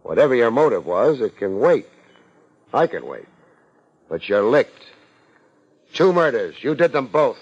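An actor playing a laid-back, wry private investigator in a 1950s radio drama, deadpan and wisecracking. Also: male voice, medium pitch, unhurried, long pauses, breathy edge. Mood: accusing. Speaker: lead actor, narrating and playing the detective. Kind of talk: 1950s radio detective acting. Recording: muffled 1950s radio transcription.

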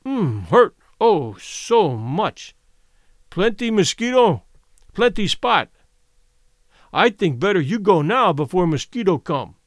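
A fierce young woman speaking halting, broken English, her voice pitched high and pressed loud, as a male audiobook reader puts her on. She talks in blunt, short phrases. The sound is dry and close. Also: very animated, dry recording, full character voice. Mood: slow, blunt.

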